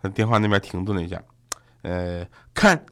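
A man's voice: fairly low pitch, fairly even intonation, very fast, a bit bright. A young man hosting a comedy radio show, telling funny stories about family and friends and laughing often. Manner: jokey, laughs often, mimics family in quotes. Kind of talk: comedic storytelling chat.

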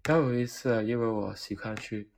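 A man from Hong Kong speaking Cantonese-accented Mandarin, telling comedic personal stories in an animated, self-mocking way and acting out the dialogue. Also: fairly low pitch, fairly quick, vocal fry, slight background noise. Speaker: vlogger.

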